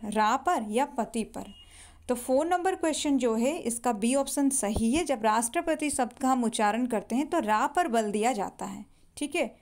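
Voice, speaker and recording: A woman's voice: high-pitched, darkish tone. A woman teacher, patiently going through exam multiple-choice questions and repeating each answer. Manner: explains patiently, repeats each answer, often says "thik hai".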